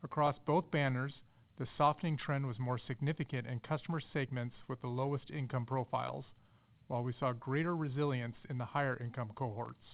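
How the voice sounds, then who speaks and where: A man reading a scripted earnings presentation as a company executive, in a formal, measured delivery over a conference call line. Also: medium pitch, fairly even intonation, gravelly. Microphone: telephone conference call. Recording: tinny, narrow phone conference line.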